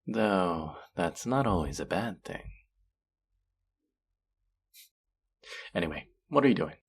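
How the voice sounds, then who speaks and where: A man's voice: deep voice, expressive, normal speed, husky, exaggerated voice. A man playing a teasing, sardonic, flirtatious male faerie in a scripted audio roleplay. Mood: mocking, amused. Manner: sardonic, teasing, drawling with sighs.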